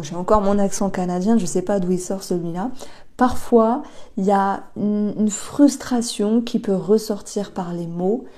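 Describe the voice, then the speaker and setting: A woman giving an intuitive tarot reading for a star sign, talking slowly and reflectively with many pauses and hesitations. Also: mid-range voice, mellow. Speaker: tarot reader.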